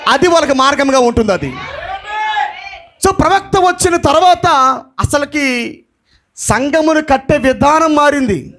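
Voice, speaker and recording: Fiery high-voiced male pastor. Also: animated, measured pace, long pauses. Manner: impassioned, mixing English phrases, shouting emphatic lines. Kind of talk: sermon.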